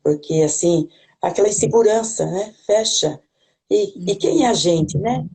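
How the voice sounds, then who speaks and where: A woman's voice: medium pitch, animated, unhurried, mellow. A woman with a rural Brazilian accent, talking in a hesitant way with many restarts and tag questions, speaking as a guest on a video call. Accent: Brazilian Portuguese, rural. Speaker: guest, parish worker. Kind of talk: casual conversation, hesitant.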